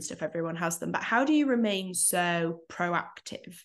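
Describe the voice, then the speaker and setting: Speaking with a British accent, the woman has a fairly low pitch. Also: quiet background. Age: 30s. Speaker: podcast host. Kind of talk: interview conversation.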